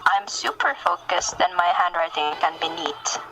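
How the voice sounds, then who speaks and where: A woman's voice: fairly low pitch, lively intonation, moderate pace, pushed and bright, faint music behind, low-quality recording. A woman interviewing on a podcast in a casual, conversational way. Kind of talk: casual chat.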